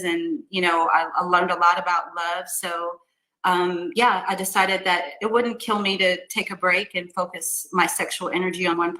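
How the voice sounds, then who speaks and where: A woman in her fifties speaks as a podcast guest, earnest and stumbling over her restarts as she explains herself. Her voice is bright and forward. The room around her gives back a noticeable echo. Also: on the low side. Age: 50s. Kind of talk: casual interview answers.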